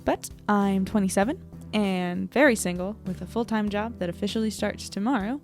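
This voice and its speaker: Woman acting as anxious twenties reporter gal, audio drama diary, dry and rambly, lots of vocal fry, music underneath. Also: medium pitch, normal speed, a little mellow, close to an everyday voice. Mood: wistful. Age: 20s. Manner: wry, rambling, self-deprecating. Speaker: narrator and lead character. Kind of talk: audio drama diary monologue, casual and conversational.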